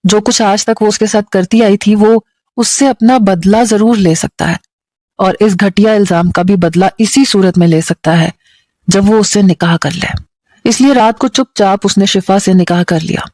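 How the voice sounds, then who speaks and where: A woman storyteller with a Pakistani Urdu accent reads a dramatic story in a steady, emotive way. Her voice is medium-pitched, and the recording has no echo.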